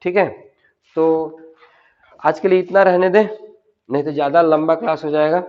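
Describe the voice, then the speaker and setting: A man with a fairly high voice and a teaches spoken to a class. He drills words slowly and repeats them for practice. The recording sounds dull and lo-fi. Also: level tone. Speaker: English teacher. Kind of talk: spoken English lesson in Hindi.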